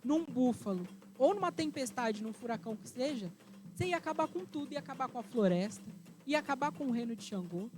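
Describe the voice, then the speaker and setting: A woman storyteller voicing a calm, sly male trickster spirit who soothes and teases. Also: a little high, brisk, natural voice. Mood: teasing. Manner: soothing, teasing.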